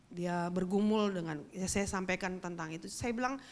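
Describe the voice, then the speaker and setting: In a church, a middle-aged woman pastor gives a sermon as a chatty personal story, addressing the congregation directly. Her voice is on the low side, at a normal speed.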